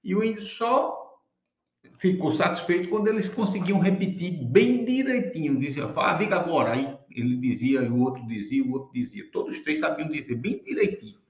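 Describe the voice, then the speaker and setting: A man telling a folk tale in a relaxed, folksy way, often tossing in little tag questions. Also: on the high side, moderate pace. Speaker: storyteller. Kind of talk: casual oral storytelling. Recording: echoey room.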